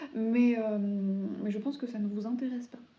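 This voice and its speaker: A woman mumbling at a fairly quick pace. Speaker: knitting podcaster. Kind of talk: casual chat. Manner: fast, mumbles words; speaking up, careful diction.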